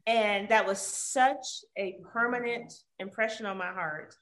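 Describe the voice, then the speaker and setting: A woman from Detroit, USA, appears as a guest in a casual conversational interview, speaking in a mid-range voice at an unhurried pace. She is an animated storyteller who brings quoted voices to life, and the room has a noticeable echo.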